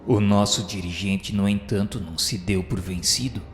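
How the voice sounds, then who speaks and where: A man's voice: on the low side, normal speed. A man narrating a scripted radio drama in a formal, literary manner. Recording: echoing long reverb, music underneath.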